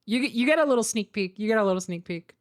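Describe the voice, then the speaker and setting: A young woman chatting casually on a livestream, excitable, giggly and given to swearing. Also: medium pitch, very fast. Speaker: streamer.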